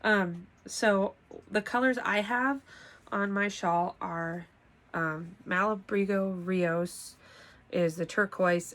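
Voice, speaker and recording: An American podcast host chats casually to camera from her home craft room, sounding congested and slightly nasal. Her voice is lowish with a fairly bright tone, and she laughs often and fills gaps with ums.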